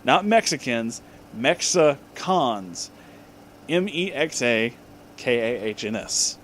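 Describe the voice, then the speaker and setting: With a mid-range, expressive and slightly bright voice, a man reads fan fiction aloud for laughs. He deliberately voices the misspellings as written and adds his own asides, over a faint hiss or hum.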